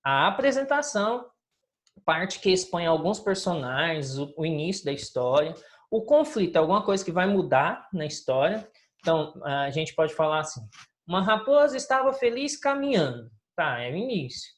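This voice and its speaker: A woman's voice: lowish voice, animated, moderate pace. Woman, teacher, lesson review, explanatory, asks questions.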